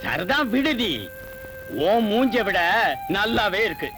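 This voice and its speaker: A woman's voice: on the high side, expressive, slow pace, over music. A blunt, protective village mother. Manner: blunt, scolding.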